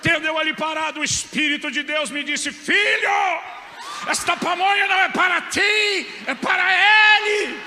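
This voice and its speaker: A Brazilian Portuguese-speaking pastor putting on an overblown Pentecostal storyteller who shouts his tale in archaic, theatrical phrasing. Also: very high-pitched, normal speed, a faint crowd, voice pushed up, full character voice. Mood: ecstatic. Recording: echoey hall with faint noise.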